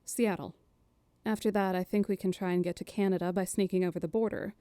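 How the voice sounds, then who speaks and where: A medium-pitched, closely recorded female voice from an actress plays an impulsive young runaway in an audio drama. She is assertive and brisk, with an upbeat, sarcastic edge. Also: steady tone, dark tone, dry recording, lightly acted.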